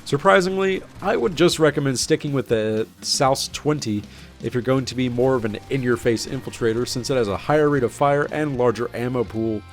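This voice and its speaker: A man narrating a scripted video game patch review as the host. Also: medium pitch.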